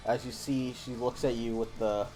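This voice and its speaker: A man's voice: mid-range voice, flat delivery, moderate pace, mellow, soft background music. A man narrating a tabletop game as game master, rambling with many fillers.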